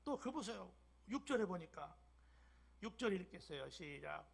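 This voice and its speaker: Older male pastor, Jeolla dialect, high and gravelly, emphatic sermon delivery with whispered asides. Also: sing-song, moderate pace. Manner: emphatic preaching with sudden loud bursts and soft whispered drops. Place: church sanctuary.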